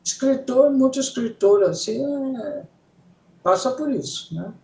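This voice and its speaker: Brief: older woman from italy, unhurried teacherly explainer, gravelly voice, roomy sound. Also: on the high side, animated, warm tone. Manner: unhurried, explains in steps, checks in with "certo?". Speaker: psychoanalyst guest. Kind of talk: reflective explanatory interview talk.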